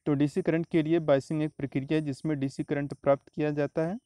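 Man, exam-prep teacher, mellow smooth voice, dry close mic. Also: on the high side, fast talker, dry recording. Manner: steady explanatory, repeats answers, frequent "तो देखिए" and "आपका". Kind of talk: explaining exam questions over slides.

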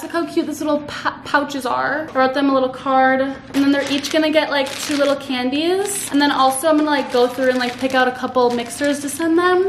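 A bubbly young vlogger with a high, bright voice chats to her camera about the presents she's wrapping, using "like" in nearly every sentence. She's at home in her living room, recorded by a camera across a table, so the sound is roomy and echoey over a steady noise bed.

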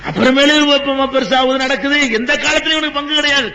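A man preaching a sermon, scolding his listeners with rhetorical questions and swinging between loud and soft. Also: very high-pitched, fairly quick, a crowd in the background, rough recording. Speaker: Muslim preacher.

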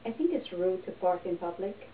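A middle-aged woman performer giving a deadpan, tongue-in-cheek monologue to camera. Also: mid-range voice, moderate pace, a little hiss or hum. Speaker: comedy performer. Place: small indoor room, plain wall. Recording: echoey, distant, dull home recording.

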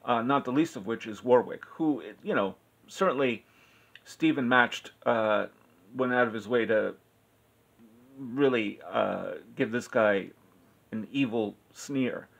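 A man giving a casual spoken film review, rambling and halting, often correcting himself mid-sentence. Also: medium pitch, vocal fry, a bit bright. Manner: rambling, halting, with frequent self-corrections and filler.

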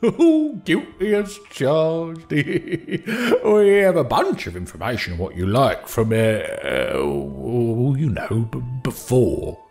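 A man's voice: mid-range voice, very animated, takes it slowly, vocal fry, few pauses, a little mellow, faint music behind, full character voice. An actor playing a folksy, good-natured older working man, who rambles and stammers in an audio drama. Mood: sheepish.

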